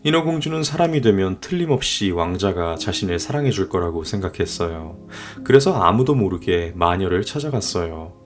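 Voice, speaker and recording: Low, expressive man telling bedtime tales. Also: a little fast, few pauses, soft background music. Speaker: storyteller, father. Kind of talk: scripted bedtime fairy-tale narration.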